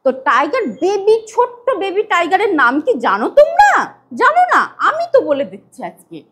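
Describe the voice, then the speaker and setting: এক মহিলা শিক্ষক ছোট বাচ্চাদের ডেমো ক্লাস নিচ্ছেন, সুর করে উৎসাহ দিয়ে প্রশ্ন করছেন আর ইংরেজি শব্দের বানান অক্ষর ধরে ধরে বলছেন।. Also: female voice, very high-pitched, wildly swooping pitch, brisk, fairly bright tone. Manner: singsong, coaxing, spells words letter by letter. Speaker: teacher giving a demo class. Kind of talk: demo lesson to young children.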